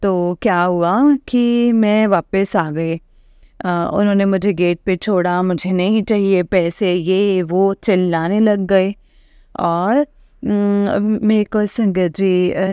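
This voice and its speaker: A middle-aged woman sharing a personal testimony with a congregation, halting and full of pauses and fillers, addressing her listeners respectfully. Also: mid-range voice, mellow, clear, resonant tone, dry recording, clean studio sound.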